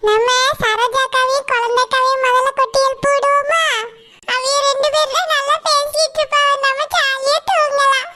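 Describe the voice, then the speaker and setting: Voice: very high-pitched, little pitch movement, moderate pace, bright, forceful tone. A performer voicing a mischievous little village girl in a cartoon, playful and conspiratorial, with a southern Tamil Nadu accent. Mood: playful scheming. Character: mischievous little village girls plotting pranks at bedtime. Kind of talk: Tamil cartoon character dialogue.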